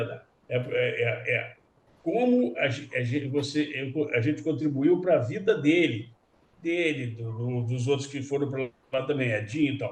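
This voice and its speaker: This man's voice is fairly high in pitch and somewhat breathy. He speaks at a fairly slow pace. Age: 70s. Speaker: retired safety engineer. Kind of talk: casual chat. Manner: halting, many repetitions.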